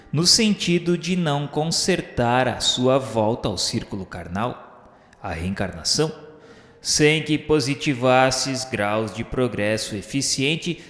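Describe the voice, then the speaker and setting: A man playing a solemn narrator in a scripted radio drama, speaking in a formal, measured way. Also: mid-range voice, lively intonation, natural voice. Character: solemn male narrator recalling the spirit world. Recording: echoey long reverb, music bed.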